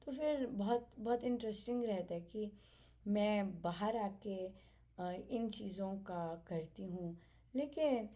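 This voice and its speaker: A woman softly sharing her spiritual learnings at a family gathering, reflective and halting. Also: mid-range voice. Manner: soft-spoken, reflective, halting with fillers and light laughs. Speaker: satsang participant sharing experience.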